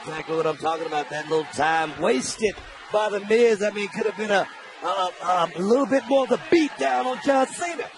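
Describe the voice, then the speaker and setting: High-pitched man, informal wrestling commentator. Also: a little fast, over music. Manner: punchy, appreciative interjections. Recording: clear arena noise behind.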